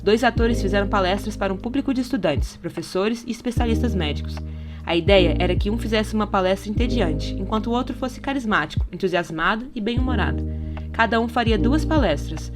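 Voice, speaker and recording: Brazilian woman, rapid scripted podcast narration, explanatory, medium pitch, music underneath. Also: expressive. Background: background music.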